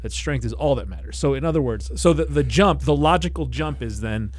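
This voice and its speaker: A man's voice: mid-range voice, lively intonation, a little fast, dry recording, clean studio sound. A man co-hosting a casual podcast, speaking bluntly and mockingly with plenty of swearing. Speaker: podcast co-host.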